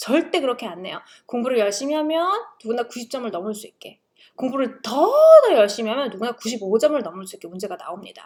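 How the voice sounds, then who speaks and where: Very wide pitch swings at a fairly quick pace. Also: woman. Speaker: professor. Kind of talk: lecture. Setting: recorded online lecture video. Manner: fast.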